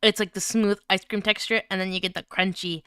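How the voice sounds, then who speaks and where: A woman's voice: medium pitch, fairly even intonation, a little fast, pushed and bright, clean tone, dry recording, studio quality. A woman hosting a livestream, chatting casually in a playful, talkative manner. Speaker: livestream host.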